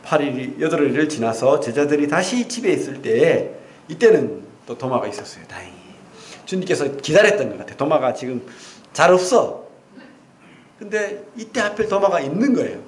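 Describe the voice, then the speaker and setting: Middle-aged guy preaching, kinda high voice, gets loud then drops quiet, echoey church. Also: normal speed. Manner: animated preaching with sudden loud outbursts and dropped asides. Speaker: pastor. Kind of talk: sermon. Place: church sanctuary.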